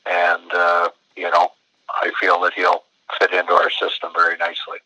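An older man, a hockey team's general manager, answering interview questions over the phone in a halting way with many fillers and restarts. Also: low voice, monotone, bright, forceful tone, no room sound. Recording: dry tinny phone line.

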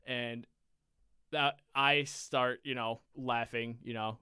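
A young man co-hosting a podcast, telling a long story in a casual, animated, profane way with many restarts. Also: medium pitch, slow, clean tone, no echo, studio quality. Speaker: podcast co-host.

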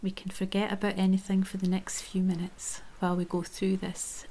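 A woman guiding a chakra meditation in a soft, gentle whisper. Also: mid-range voice, completely flat delivery, brisk. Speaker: meditation guide.

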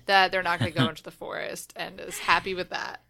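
A woman's voice: fairly low pitch, fast talker, vocal fry, pushed and bright. A woman playing a tabletop role-playing game, chatting and narrating her character's actions. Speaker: player. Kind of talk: casual tabletop role-play chat.

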